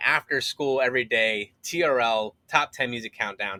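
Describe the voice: A man talks at a fairly slow pace in a bright, sharp tone.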